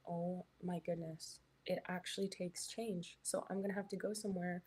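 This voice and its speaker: A woman's voice: lowish voice, vocal fry, dark tone, husky. A young woman from Canada, chatting casually as a live stream host while reading her chat, with lots of "like" and "um". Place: hotel room.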